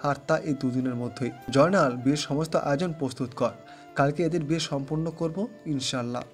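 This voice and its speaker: A man's voice: fairly high pitch, fairly quick, close to an everyday voice. A man playing a threatening, protective older-brother mafia boss in an audio story, speaking with commanding authority. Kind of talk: Bengali audio story voice acting. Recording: music under the voice.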